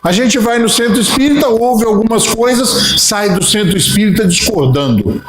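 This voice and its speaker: A man's voice: sits high, animated, normal speed, fairly bright tone, echoey room, a little hiss or hum, low-quality recording. A man with a Brazilian Portuguese accent giving a spiritist lecture, telling stories and acting out little dialogues. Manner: storytelling with acted-out dialogue.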